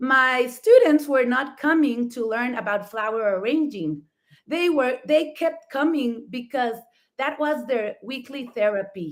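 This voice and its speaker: In a Spanish accent, a woman talks at a fairly slow pace with a high pitch and ordinary pitch variation. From Mexico. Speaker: florist and workshop teacher. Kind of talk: casual chat.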